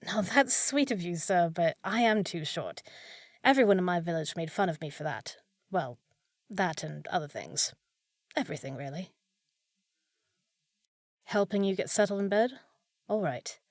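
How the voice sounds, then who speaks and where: A woman's voice: on the low side, animated, moderate pace, long pauses, no echo, studio quality. A woman playing a short, fussy young village housekeeper in a fantasy audio roleplay, proper and easily flustered, scolding yet caring. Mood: shy, tender. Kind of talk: scripted fantasy audio roleplay, spoken to listener.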